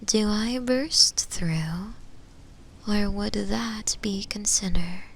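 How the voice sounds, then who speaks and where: A woman voicing a possessive female shadow demon in a breathy, hesitant, musing whisper for an ASMR roleplay. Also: heavily acted. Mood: anxious, questioning. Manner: slow, hesitant, musing, with pauses. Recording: close whisper with low rumbling noise.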